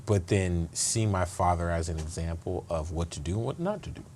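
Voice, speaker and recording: Deep-voiced man, earnest and reflective. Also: brisk, a little mellow, a little hiss or hum. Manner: earnest, reflective, frequent restarts. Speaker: guest, state attorney. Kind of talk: conversational interview.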